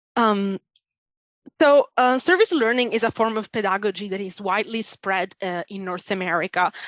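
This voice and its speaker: A woman with an Italian accent at a moderate pace, ordinary pitch variation, a dry, close sound with no echo, and a quiet background. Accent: marked Italian. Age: 30s. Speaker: university staff presenter. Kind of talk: conference presentation. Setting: video call from home. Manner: halting, many fillers.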